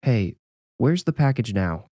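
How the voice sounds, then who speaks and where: A man's voice: mid-range voice, sing-song, measured pace, dark tone, husky, dry recording, studio quality, pitched above the performer's own voice. A man voicing a busy, rational grown son in audiobook dialogue, firm and exasperated. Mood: patient, reasoning. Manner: firm, dismissive, questioning.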